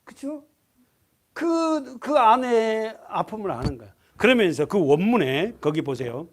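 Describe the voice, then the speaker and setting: Pastor guy preaching, high voice swinging all over, keeps asking the crowd stuff. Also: measured pace. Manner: lively, asks the congregation questions, acts out voices. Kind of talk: sermon.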